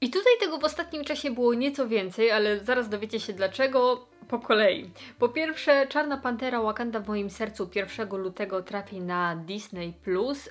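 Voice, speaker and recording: A woman speaks at a moderate pace while faint music plays behind her. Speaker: pop culture vlogger. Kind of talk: casual vlog news roundup. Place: home room.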